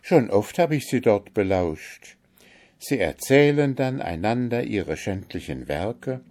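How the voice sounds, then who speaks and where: A man's voice: lowish voice, expressive, slow pace, darkish tone, pitched above the performer's own voice. A man voicing a sorrowful owl who is an enchanted young princess, in a plaintive, mournful tone for an audiobook. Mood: earnest pleading. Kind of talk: audiobook character voice.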